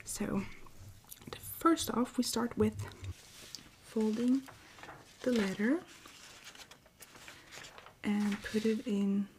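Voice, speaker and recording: A woman playing a friendly, patient Christmas elf helper in an ASMR roleplay, speaking softly and breathily, often in a whisper. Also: fairly high pitch, fairly even intonation, slight background noise. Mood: calm, instructive. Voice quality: soft, breathy, frequently whispering. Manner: gentle, encouraging, unhurried. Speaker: ASMR performer.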